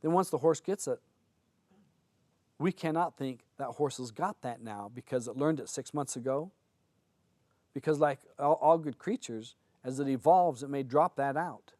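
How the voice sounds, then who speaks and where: A man's voice: medium pitch, normal speed, darkish tone, dry recording. An older man teaching a spiritual seminar in a conversational way, telling stories and acting out quoted lines. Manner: conversational, anecdotal, with acted-out quotes. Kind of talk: seminar talk.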